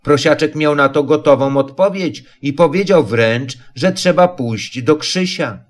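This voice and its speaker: A man narrating a children's storybook in a calm, measured way. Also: fairly high pitch. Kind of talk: storybook reading.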